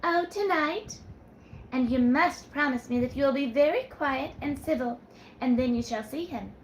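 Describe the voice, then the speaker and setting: A woman's voice: normal speed, slight background noise, lightly acted. A woman doing a coy, sing-song young barmaid. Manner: demure, teasing, high and sing-song. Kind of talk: read-aloud storytelling. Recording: roomy echo.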